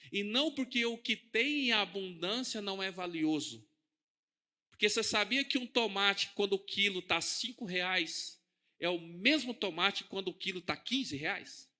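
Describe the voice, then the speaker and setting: This is a high-voiced man with a Brazilian Portuguese accent giving a sermon in a church hall. He addresses the congregation conversationally, asks them questions, and moves between hushed and loud delivery.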